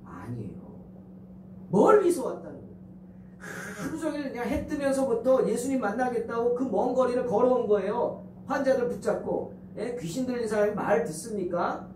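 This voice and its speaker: A man's voice: very high voice, expressive, normal speed, a little mellow, slight background noise. A male pastor preaching a fervent sermon in a church sanctuary, asking the congregation one rhetorical question after another. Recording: echoey church hall, distant mic.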